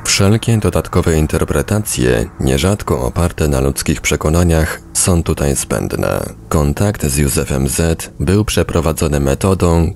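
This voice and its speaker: Male audiobook reader, exceptionally deep and gravelly, for scripted narration. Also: a little mellow, a little hiss or hum. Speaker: audiobook reader on a radio podcast. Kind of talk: scripted narration, book reading.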